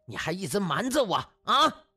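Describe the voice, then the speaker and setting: A man's voice: high-pitched, very animated, moderate pace, sharp tone, slightly rough, dry recording, voice pushed up, full character voice. Man as a furious, ranting jealous husband. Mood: suspicious, accusing. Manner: ranting, accusing, swearing. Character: jealous, hot-tempered husband, crude and accusing.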